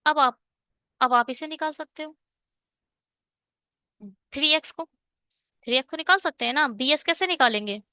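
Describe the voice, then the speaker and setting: A woman's voice: sits high, normal speed, pauses often, pushed and bright, dry recording, studio quality. A woman teaching an online exam-prep math lesson, working through a problem step by step and asking and answering her own questions.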